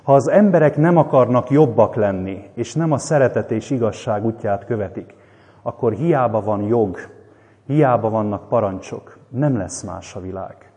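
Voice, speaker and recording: A man's voice: on the low side, dark tone. A male preacher giving an earnest, explanatory sermon commentary. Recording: long hall reverb.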